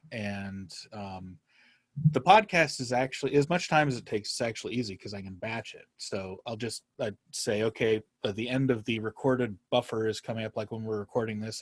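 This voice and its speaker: A man talking casually as an interview guest, halting and circling his point before landing on it. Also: lowish voice, no room sound. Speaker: podcast guest, writer and podcaster.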